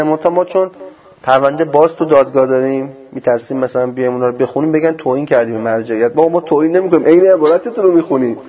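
A man gives a religious lecture on scripture in a slightly high voice. He chants quoted verses slowly and explains them with a sarcastic, argumentative edge. The recording sounds dull and lo-fi. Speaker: religious teacher.

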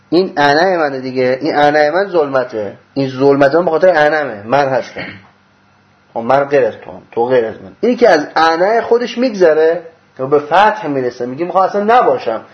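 A man giving a mystical religious lecture, explaining a diagram and asking rhetorical questions that he answers himself, swinging between loud bursts and low murmurs. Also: lively intonation. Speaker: religious teacher. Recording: dull lo-fi recording.

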